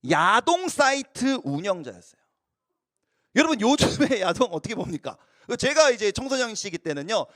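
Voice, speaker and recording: A man's voice: high voice, dry recording, studio quality. A man preaching a casual youth sermon, telling stories and acting out the quoted lines. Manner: animated storytelling, acts out quoted lines. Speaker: youth pastor.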